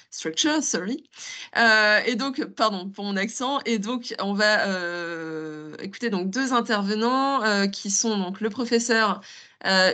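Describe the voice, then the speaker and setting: A woman moderating an online information session, talking briskly and apologetically, with frequent hesitations. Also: medium pitch, fairly bright tone. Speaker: national contact point moderating a webinar. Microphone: video call.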